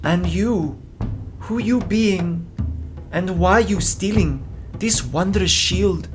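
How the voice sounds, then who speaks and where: A man voicing a stately island priestess who speaks in slow, halting broken grammar. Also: sits high, music in the background, pitched above the performer's own voice. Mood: imperious.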